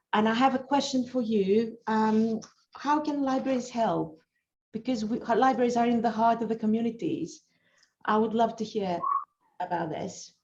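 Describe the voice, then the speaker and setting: High-voiced woman on a dull call. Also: a little mellow. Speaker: librarian audience member. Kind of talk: asking a question in an online session. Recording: dull online call audio.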